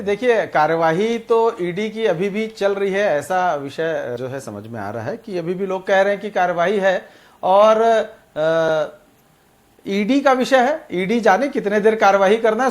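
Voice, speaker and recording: A male party spokesperson in a TV debate, combative and accusatory, talking over the others. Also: high voice. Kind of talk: heated political debate.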